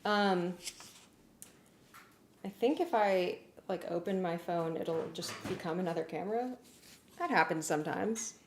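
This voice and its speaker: A woman hosting a casual livestream, explaining work progress in an informal, halting way as she thinks aloud. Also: on the low side. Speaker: livestream host and music arranger. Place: warm indoor room. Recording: roomy echo, clear background noise.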